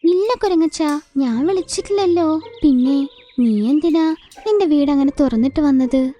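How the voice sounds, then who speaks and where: A woman's voice: high voice, normal speed, dark tone, lightly acted. A woman voicing a naive, fretful young girl bird in a children's cartoon, childlike and earnest. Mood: concerned.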